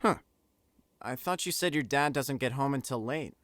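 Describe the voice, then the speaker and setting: A man's voice: mid-range voice, normal speed, a bit bright, dry recording, close to an everyday voice. A man acting in an audio drama as an easygoing, dryly funny young gamer with a sarcastic streak. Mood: casual, dry. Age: young adult. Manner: dry, sarcastic.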